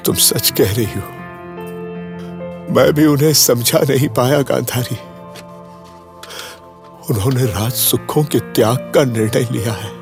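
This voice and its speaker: An actor playing a gentle, reassuring king who soothes his wife, over music. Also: medium pitch, unhurried, gravelly, long pauses. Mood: soothing. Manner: soothing, reassuring theatrical delivery.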